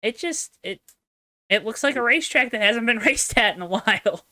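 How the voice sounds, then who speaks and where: A woman's voice: on the high side, animated, normal speed, bright, forceful tone, no room sound. A young adult woman co-hosting a podcast, chatting casually in a chatty, self-deprecating, joking way. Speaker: podcast co-host. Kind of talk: casual chat.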